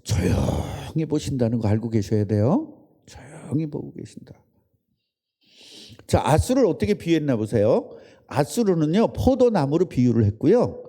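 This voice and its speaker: Lively, mellow-voiced male pastor. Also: medium pitch, moderate pace. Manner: chatty, asks the congregation and children questions. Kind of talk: casual sermon to a small congregation. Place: church service room.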